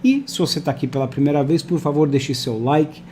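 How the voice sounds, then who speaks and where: A man's voice: on the high side, a little fast, darkish tone, slight background noise. A man hosting a live online interview over a video call, chatty and friendly, talking to viewers and his guest. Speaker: host.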